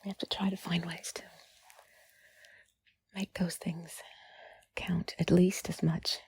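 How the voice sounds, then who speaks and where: A woman giving intimate whispered comfort talk, soothing and gently reassuring, in a breathy, husky whisper with drawn-out pauses. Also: fairly low pitch, flat delivery. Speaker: audio creator speaking to the listener.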